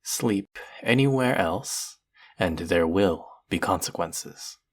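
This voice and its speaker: A performer acts out a sadistic fantasy sorcerer in a roleplay audio drama. The voice is low and husky, drawling slowly through teasing, mock-sweet baby talk. It gloats and coos as if over a helpless little pet. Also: lively intonation, full character voice. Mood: possessive, cooing.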